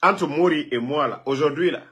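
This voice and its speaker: A man's voice: on the high side, moderate pace, fairly bright tone. A man from Guinea, ranting and scolding a rival on a live phone video, repeating himself. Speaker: political online commentator.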